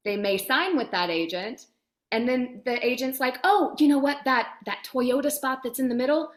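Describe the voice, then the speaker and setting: Woman, higher-pitched voice, chatty, keen and emphatic, explaining a process in an interview. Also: normal speed. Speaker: voiceover demo producer and director, interview guest.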